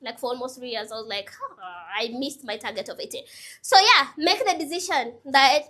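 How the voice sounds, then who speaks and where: A woman's voice: sits high, animated, a little fast, bright, forceful tone. A woman in her twenties giving earnest, chatty motivational advice straight to her viewers, repeating her points with casual asides. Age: 20s. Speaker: motivational vlogger. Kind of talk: casual motivational talk to camera.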